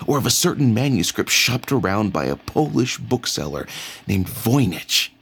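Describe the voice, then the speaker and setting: A man's voice: lowish voice, very animated, moderate pace, creaky, a bit bright, slightly rough. A middle-aged man interviewing an older storyteller, curious and a little fumbling. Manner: curious, slightly fumbling with fillers. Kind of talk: casual interview.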